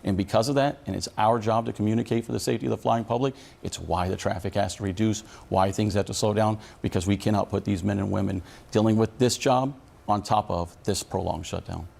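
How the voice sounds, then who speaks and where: Middle-aged american guy, union spokesman in a news interview, low voice w/ some gravel, earnest and emphatic. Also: fairly even intonation, brisk, a little mellow. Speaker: union leader representing air traffic controllers. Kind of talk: formal news interview answers.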